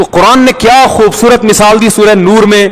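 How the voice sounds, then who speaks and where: Noticeable background noise is present. The man speaks with ordinary pitch variation. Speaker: Islamic scholar. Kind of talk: religious lecture.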